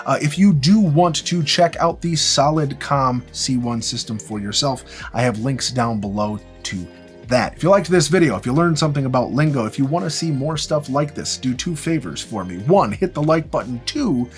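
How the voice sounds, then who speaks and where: A man's voice: fairly high pitch, expressive, normal speed. A man presenting an instructional video, explaining things emphatically and restating key points in a structured way. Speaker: video host, tutorial presenter. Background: background music.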